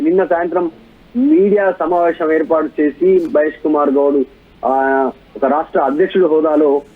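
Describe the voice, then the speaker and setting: A man's voice: on the high side, husky, phone-quality sound. A man giving unscripted live news analysis, building points through repeated lists and rhetorical questions.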